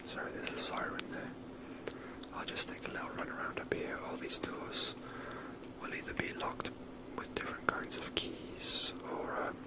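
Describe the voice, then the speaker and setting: A person whispering rambling, unhurried ASMR commentary while playing a video game. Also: poor audio. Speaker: game streamer.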